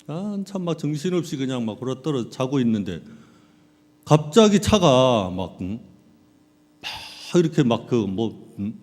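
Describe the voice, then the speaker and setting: A middle-aged male pastor preaching a sermon, telling personal stories in an animated way and acting out scenes. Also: mid-range voice, unhurried. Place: large hall at a church camp. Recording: long reverb of a large hall.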